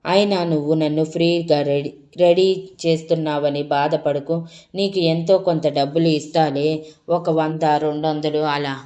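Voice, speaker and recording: A woman storyteller voicing a bold young wife who teases her rival with drawn-out mocking words. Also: deep voice, steady tone, warm tone, natural voice. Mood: teasing. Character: bold teasing young wife, sly and confident.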